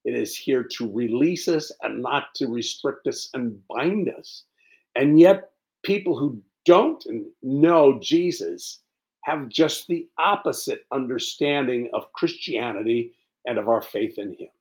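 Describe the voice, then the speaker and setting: A man preaching an Easter sermon, building emphatic lists and dropping to quiet, weighty endings. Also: medium pitch, lively intonation, a little slow, poor audio.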